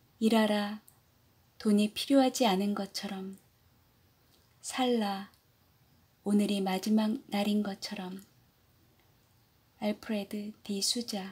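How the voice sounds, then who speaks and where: A woman speaks at a very slow pace in a medium pitch, her somewhat breathy voice flat and monotone, broken by long, frequent pauses. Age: 50s. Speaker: book YouTuber. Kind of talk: poetry reading.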